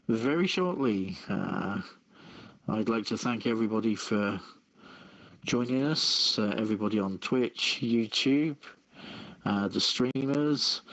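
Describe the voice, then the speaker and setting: A man hosting a live online radio show and reading out copy in a halting way, stumbling over his words. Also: mid-range voice, a bit bright, lo-fi sound.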